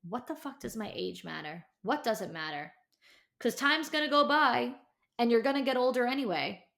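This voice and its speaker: A woman's voice: fairly high pitch, animated, normal speed, creaky, fairly bright tone. A woman of thirty hosting a casual solo podcast, talking candidly and chattily with lots of "like" and "you know", then urging her listeners on with emphatic encouragement. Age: 30s. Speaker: podcast host.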